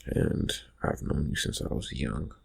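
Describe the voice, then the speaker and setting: This is improvised, soft-spoken ASMR roleplay in which a man plays a young male vampire friend, brooding, distracted and slyly teasing toward the listener. His natural, slightly mellow voice comes out as a breathy, husky, gravelly low murmur, with halting phrases that trail away.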